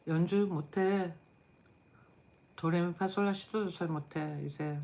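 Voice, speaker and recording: A middle-aged woman hosts a casual live stream and speaks in a notably low voice. She talks bluntly and chattily, answering viewers' comments as they come in. She sounds tired. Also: a little slow, vocal fry, darkish tone.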